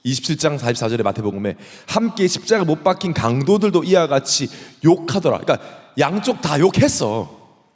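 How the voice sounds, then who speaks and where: A male pastor preaching a sermon in an animated way, putting rhetorical questions to the congregation. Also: a little high, fairly quick, big-room sound, faint music behind.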